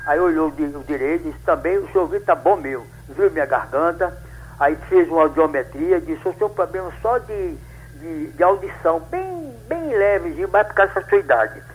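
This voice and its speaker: A man in his eighties calling in to a radio show, telling his story in a rambling, halting way with many restarts. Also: a little high, animated, breathy edge, rough recording. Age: 80s. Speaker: caller. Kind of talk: phone-in radio call.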